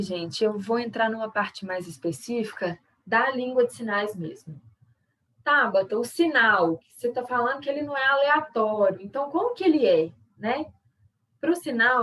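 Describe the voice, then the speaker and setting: A woman's voice: on the high side, expressive, normal speed, a bit bright, distant mic, rough recording. A woman with a Brazilian Portuguese accent, a sign language interpreter teaching an online workshop in a conversational, explanatory way with frequent tag questions.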